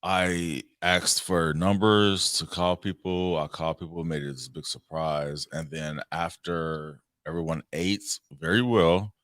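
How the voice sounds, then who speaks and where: Casting: American man, very low voice, dry close sound, casual slangy talk show co-host. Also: steady tone, a little slow, hardly any pauses, a bit bright, no echo. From Cincinnati, Ohio, United States. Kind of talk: casual chat, personal storytelling.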